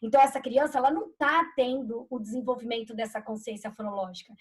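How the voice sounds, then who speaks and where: A woman teacher in a live discussion, giving lively, concrete classroom examples to explain a literacy concept. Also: fairly high pitch, quick pace, breathy edge.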